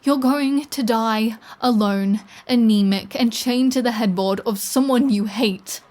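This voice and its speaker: A woman's voice: on the high side, a little mellow, natural voice. A woman playing a flirty, taunting, predatory vampire in an intimate audio roleplay, with a teasing, sardonic delivery. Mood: bitter, frustrated. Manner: slow, teasing, sardonic, casually profane.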